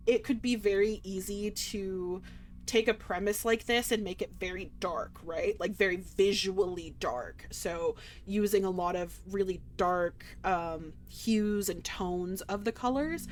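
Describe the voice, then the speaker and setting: A woman's voice: mid-range voice, measured pace. A woman streamer giving rambling, enthusiastic commentary on a game, full of fillers and trailing sentences.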